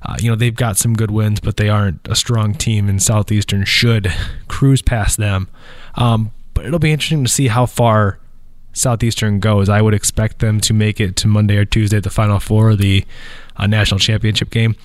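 A man's voice: fairly low pitch, fairly even intonation, moderate pace, no room sound, clean studio sound. A man hosting a casual sports podcast, talking loosely with a nasal, allergy-stuffed voice and many fillers, in an office conference room. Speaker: podcast host.

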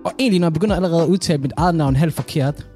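A man's voice: a little high, darkish tone, soft background music. A young man opening and co-hosting a casual podcast, joking and mimicking people in anecdotes. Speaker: podcast co-host. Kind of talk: casual chat.

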